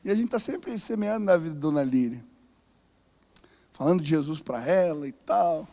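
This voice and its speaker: A man, a pastor telling stories in a sermon, animated and rising into fervent exhortation. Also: a little high, normal speed, gravelly. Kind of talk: storytelling sermon. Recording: long reverb of a large hall.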